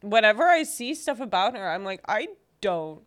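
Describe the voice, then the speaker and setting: A woman's voice: mid-range voice, very animated, moderate pace. An American woman co-hosting a casual comedy chat, giggling and joking along. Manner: giggly, joking, lots of laughter. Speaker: podcast co-host.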